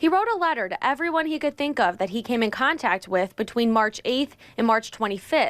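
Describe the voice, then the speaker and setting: A woman talks at a fairly quick pace with hardly any pauses, her high pitch swinging very widely. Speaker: TV news reporter. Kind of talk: TV news report.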